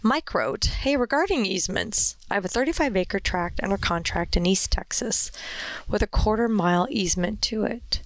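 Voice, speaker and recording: A woman's voice: medium pitch, expressive, normal speed, no room sound. An American woman co-hosting a show with casual, chatty, playful and informal talk. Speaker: co-host of a land investment show. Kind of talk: casual chat.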